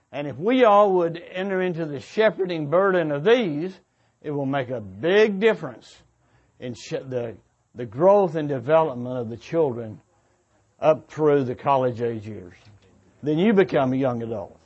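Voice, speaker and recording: Speaking unhurriedly with lively intonation, a man with a voice on the high side earnestly exhorts a church congregation, occasionally going back to repeat or rephrase himself. The sound is lo-fi.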